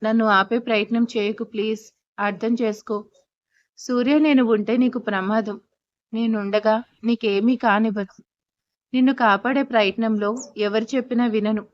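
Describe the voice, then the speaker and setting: Scared young woman refusing to stop, read by a lady narrator, highish voice, dull dry audio. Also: steady tone, normal speed, no room sound, natural voice. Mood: fearful. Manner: fearful, insistent. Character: frightened young woman, self-sacrificing.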